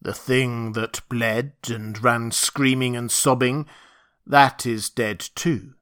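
A man voicing a hairy, crooked old beast-man who recites the law, slow, solemn and detached in an audiobook story. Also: steady tone, a bit bright. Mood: puzzled, solemn. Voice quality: deep voice.

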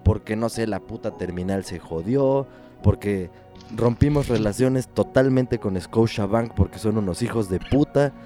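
A man with a Mexican accent tells a story in a casual chat. His voice sits low and dark. He swears freely and sounds exasperated, with a faint music bed underneath. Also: measured pace. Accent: Mexican Spanish.

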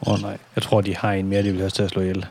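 A man's voice: sits low, monotone, a little mellow, a little hiss or hum. Nervous, reluctant male player. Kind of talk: tabletop role-play in character.

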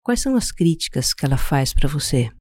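A Brazilian-accented speaker guiding a meditation in a calm, soothing, unhurried way, leaving pauses between instructions. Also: medium pitch, no echo, studio quality. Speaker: podcast host guiding a meditation. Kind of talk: slow guided meditation narration.

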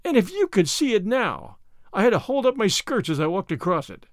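An indignant, gossipy older woman complains in a high, lively voice, as a male narrator puts her on. The recording is close and dry. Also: brisk, no echo.

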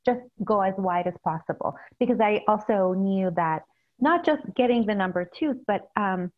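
A woman from El Salvador, a newly elected city supervisor, answering interview questions in an earnest, casual way with many fillers and soft laughs. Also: lowish voice. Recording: tinny phone line.

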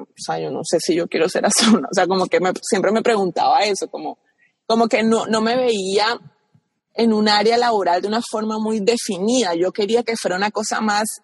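A woman in her thirties from Colombia speaks with a Caribbean coast accent. She talks reflectively and casually, often pausing with fillers and restarting her sentences. Her voice sits mid-range, close and dry, yet with a faint long reverb trailing behind it. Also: mid-range voice, husky. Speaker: guest. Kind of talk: casual interview conversation.

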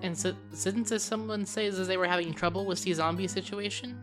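A woman's voice: medium pitch, steady tone, a little fast, music in the background. A woman playing a tabletop game, speaking in a dry, wry way.

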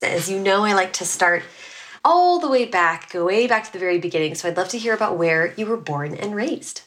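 A woman's voice: mid-range voice, animated, a little fast, fairly bright tone. A woman hosting a podcast interview, asking questions enthusiastically and backing up her guest with frequent mm-hmms. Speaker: podcast host. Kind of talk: casual interview conversation.

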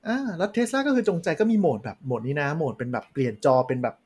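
A man co-hosting a casual tech podcast, talking in an animated, joking way with crude slang. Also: a little high, fast, breathy edge. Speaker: podcast co-host.

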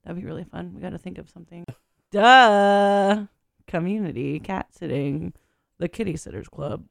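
A woman's voice: on the low side, brisk, vocal fry, dark tone, no room sound. A woman hosting a community radio show, chatting casually, often laughing and trailing off mid-sentence. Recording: radio studio.

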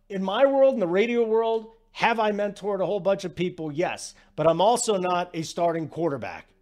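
Emphatic male sports-betting host, casual delivery, somewhat higher pitch. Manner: emphatic, keeps asking "okay?".

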